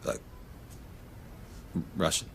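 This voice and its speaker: An actor playing a calm, measured police sergeant in a TV drama. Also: male voice. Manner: measured, reasoning.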